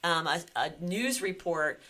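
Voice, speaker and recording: A woman's voice: on the low side, animated, a little slow, sharp tone. A woman co-hosting a Christian marriage podcast, speaking sincerely and thoughtfully in casual conversation.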